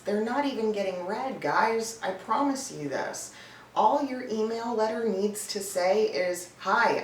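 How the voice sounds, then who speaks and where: A woman giving emphatic, blunt, conversational advice as a coach, talking straight to her viewers. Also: medium pitch. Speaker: voice-over coach and casting professional. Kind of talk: direct-to-camera advice video, tips list. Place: indoor room with a cat nearby. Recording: roomy, distant mic, some background noise.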